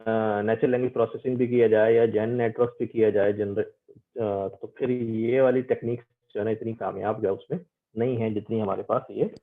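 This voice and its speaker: A man with a South Asian accent teaching a class, reading English text slowly and explaining it point by point, mixing in English terms. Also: lowish voice, fairly even intonation. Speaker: teacher giving an online class. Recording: narrow, tinny online-call audio.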